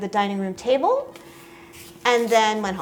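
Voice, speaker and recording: Music plays in the background as a woman speaks. Her pitch is fairly high and varies in an ordinary way. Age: 50s. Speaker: interviewee. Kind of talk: interview.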